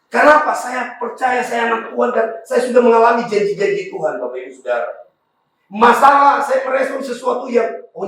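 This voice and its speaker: A raspy-voiced male pastor, preaching fervently to a congregation. His voice sits slightly high. The sound is very echoey, picked up from across a church hall. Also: fairly bright tone, distant mic, slight background noise. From Maluku. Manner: fervent preaching with frequent congregation address and hallelujahs. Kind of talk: sermon.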